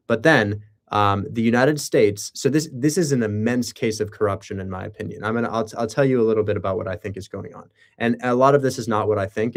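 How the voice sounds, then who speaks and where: A man chatting casually on a livestream, rambling with sarcastic asides and rhetorical questions. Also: fairly low pitch. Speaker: live streamer and real estate wholesaler.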